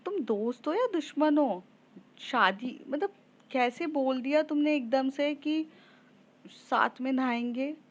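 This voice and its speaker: A woman's voice: high-pitched, lively intonation, takes it slowly, pitched above the performer's own voice. A woman voicing a flustered, jealous young woman who protests indignantly, on a slightly muffled recording.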